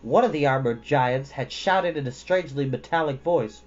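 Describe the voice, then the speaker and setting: A man's voice: mid-range voice, normal speed. A man narrating a storybook expressively as a storyteller. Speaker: storyteller reading a children's novel. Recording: dull lo-fi audio with music. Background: background music.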